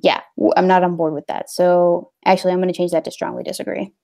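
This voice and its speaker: A woman's voice: fairly low pitch, level tone, fast, vocal fry, warm tone. A young woman hosting a casual livestream, talking in a rambling, hesitant way with many fillers. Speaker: livestream host.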